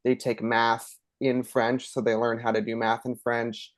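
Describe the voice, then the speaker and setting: A man in his thirties from Canada, a schoolteacher talking as a podcast guest in a relaxed, chatty way with many ums. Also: medium pitch, unhurried. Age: 30s. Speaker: guest, elementary school teacher. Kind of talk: casual interview talk.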